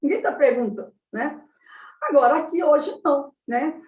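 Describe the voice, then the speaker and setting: A woman psychologist with a Brazilian Portuguese accent, giving an animated talk on child development. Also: sits high, normal speed. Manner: animated explaining, acts out mothers' baby talk. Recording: roomy sound, distant from the mic.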